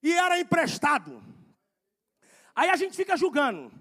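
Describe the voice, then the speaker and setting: A man preaching a sermon in a church, swinging from quiet asides to fervent shouted exhortations with slow, drawn-out emphasis. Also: very high-pitched, wildly swooping pitch.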